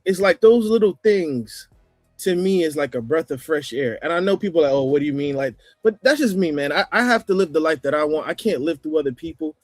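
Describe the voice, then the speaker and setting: A man with a New York accent talking casually on a livestream panel, rambling, with restarts and throat clearing. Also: on the high side, animated, brisk, darkish tone, no echo, clean studio sound, faint music behind. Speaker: panel guest.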